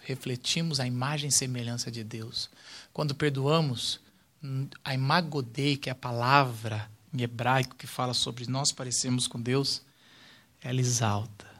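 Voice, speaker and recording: A young man from Brazil preaching a sermon with animated swings between loud, excited stretches and quiet, hushed ones. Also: medium pitch. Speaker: pastor.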